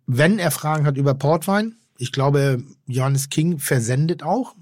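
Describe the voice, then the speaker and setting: A man's voice: on the high side, a little slow, darkish tone, no room sound. Effusive rambling man, dry close mic. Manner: rambling, effusive, trailing off and restarting. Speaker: podcast co-host, restaurateur. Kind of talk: casual podcast chat.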